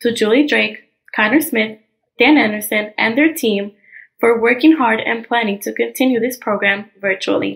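Against a quiet background, a woman with a fairly high pitch and some vocal fry talks at a moderate pace with ordinary pitch variation. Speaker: technical college student. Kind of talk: prepared speech. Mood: grateful, sincere. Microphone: webcam.

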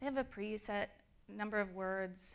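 The speaker talks at a fairly slow pace with an American accent. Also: woman. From United States. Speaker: UX conference speaker; conference speaker. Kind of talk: lecture. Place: stage. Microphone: lapel.

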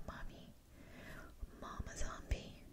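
Very slow whispering from a woman. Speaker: ASMR creator. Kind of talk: ASMR whisper video. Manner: whispered. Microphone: studio mic.

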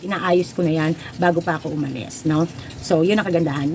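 Noticeable background noise sits behind a woman's voice. She talks at a fairly quick pace with a fairly low pitch. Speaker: vlogger and sari-sari store owner. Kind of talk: casual vlog talk.

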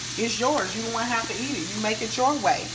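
Here a woman talks at a fairly quick pace with ordinary pitch variation. Noticeable background noise can be heard. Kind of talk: casual cooking tutorial. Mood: relaxed, friendly. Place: kitchen. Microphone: phone near.

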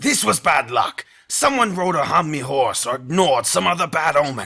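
A raspy put-on character voice from a man, fairly high in pitch, with lively intonation and a moderate pace. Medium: audio drama. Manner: anxious, deferential.

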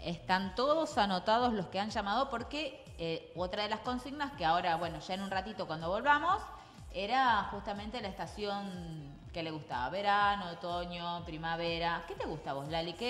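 A woman's lively intonation at a moderate pace, with audible room echo and light background noise. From Argentina. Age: 30s. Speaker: local radio and TV host; local radio, TV host. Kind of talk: casual chat. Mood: cheerful, nostalgic. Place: studio.

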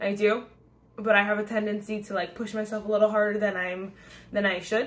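A woman speaks in a fairly high pitch. Her intonation stays flat and monotone. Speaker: makeup vlogger. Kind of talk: casual chat. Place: home room. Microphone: phone near.

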